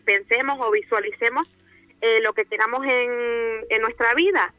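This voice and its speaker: A woman's voice: a little high, normal speed, no echo. A woman comes through over a phone line, her voice a little muffled and dry with no room around it. She talks in a casual, hesitant way, restarting her sentences and searching for the right words as she puts her question to the show. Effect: heard over the phone. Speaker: caller to a live show.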